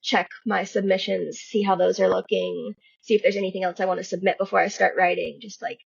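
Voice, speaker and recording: A woman with a husky voice and plenty of vocal fry talks as a guest writer in an informal interview. Her track sounds a little dull and lo-fi. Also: medium pitch, little pitch movement, fairly quick. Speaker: podcast guest, fiction writer. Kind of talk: casual conversational interview.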